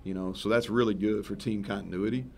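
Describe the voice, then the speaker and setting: A man in his thirties speaks fast in a lowish, creaky voice; he's a head football coach answering questions after a game. His manner is relaxed and frank, with plenty of rambling and self-correction. He sits at a press table covered in microphones, a sponsor backdrop behind him in the conference room.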